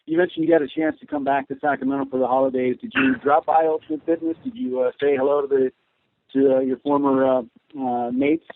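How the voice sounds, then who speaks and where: A man's voice: on the high side, very animated, fairly quick, gravelly. A man working as a sports reporter, asking wordy, hesitant questions on a media conference call. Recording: tinny phone conference line.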